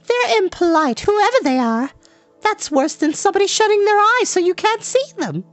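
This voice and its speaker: A man's voice: extremely high pitch, big pitch swings, moderate pace, a bit bright, dry recording, voice pushed up, heavily acted. A man voicing an outspoken, indignant young princess in a scolding, commanding way, as in a storybook reading. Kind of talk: dramatised audiobook reading.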